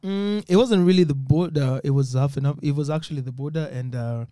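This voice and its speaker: A man from Kenya and Uganda, a musician guest on a podcast, talking casually in a relaxed, hesitant way with frequent laughs. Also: on the high side, brisk, dry recording, clean studio sound.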